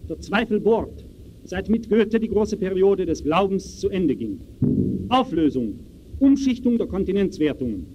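Solemn declaiming lecturer, radio play style, highish voice, slight hiss. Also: male voice, big pitch swings, unhurried, darkish tone, poor audio. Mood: grave, portentous. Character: grave male lecturer diagnosing a restless age. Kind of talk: scripted radio play monologue.

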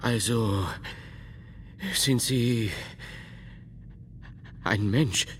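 An actor playing a solemn, learned medieval monk in a radio play, speaking in a formal, pondering and deliberate manner. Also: male voice, fairly low pitch, slight background noise. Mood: wary.

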